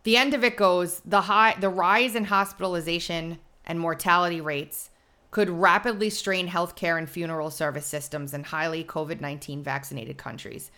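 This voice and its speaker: A woman's voice: lowish voice, steady tone, moderate pace, sharp tone. A woman co-hosting a casual live talk show, reading aloud and explaining in an informal way. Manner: informal, explanatory, laughs easily.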